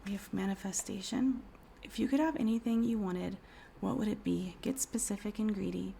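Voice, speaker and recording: A woman in her thirties doing a casual tarot reading, hoarse from a cold, speaking softly and often in a whisper with many fillers. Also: medium pitch, slight background noise. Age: 30s. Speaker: tarot reader.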